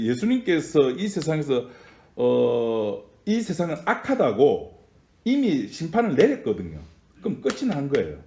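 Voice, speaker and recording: A man preaching a sermon, his fairly high voice swinging widely between soft asides and forceful emphasis. He keeps putting questions to the congregation. The sound is roomy and echoey, like a church hall. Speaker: pastor.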